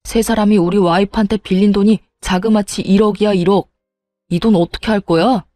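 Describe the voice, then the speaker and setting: A woman's voice: mid-range voice, steady tone, brisk, dark tone, no echo, faint music behind, lightly acted. Give me a woman acting out an exasperated husband who whines at his mother, dry close sound. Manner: whiny, exasperated. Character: hot-headed grown son blaming his mother.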